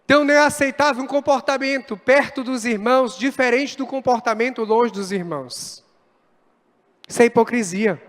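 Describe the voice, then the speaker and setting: A male pastor preaching a lively sermon, acting out quoted dialogue as he speaks. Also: very high voice, moderate pace. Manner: animated, acts out quoted dialogue. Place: church hall. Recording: long church reverb.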